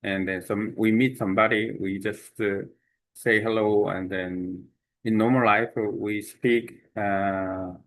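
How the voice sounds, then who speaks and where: Slow, halting Korean-accented man. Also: fairly low pitch, level tone, a bit bright. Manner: halting, many fillers and restarts. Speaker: language exchange speaker. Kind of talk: unscripted talk to camera.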